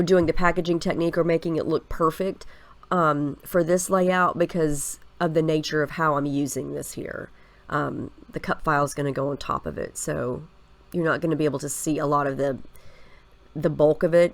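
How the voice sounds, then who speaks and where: A woman in her thirties, host of a scrapbooking video, narrates her process in a low, brisk voice with vocal fry, stuffy and scratchy from a head cold. The recording has no room sound, and she stays chatty and relaxed, explaining each step with fillers.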